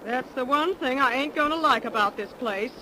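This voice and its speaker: Actress as a fussy, high-voiced folksy aunt. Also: female voice, moderate pace, close to an everyday voice. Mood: uneasy, superstitious. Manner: folksy, fretful, plain-spoken. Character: fussy, superstitious, folksy middle-aged aunt. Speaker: radio actress. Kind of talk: 1930s radio drama acting. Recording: noisy old 1930s radio broadcast.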